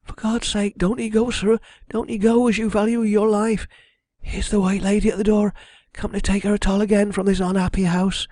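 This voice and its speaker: A terrified country servant woman played by a male narrator pleads in a high, trembling voice. She is superstitious and full of dread, speaking in rustic dialect in an old mystery story, recorded close and dry. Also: level tone, moderate pace, a little mellow, no echo, close to an everyday voice. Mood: frantic pleading.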